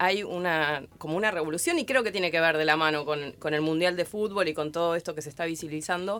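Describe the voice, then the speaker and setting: Her voice sits fairly low. The rise and fall of her pitch is ordinary. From Argentina, La Matanza (Buenos Aires). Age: 40s. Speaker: football coach. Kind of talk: interview. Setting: studio.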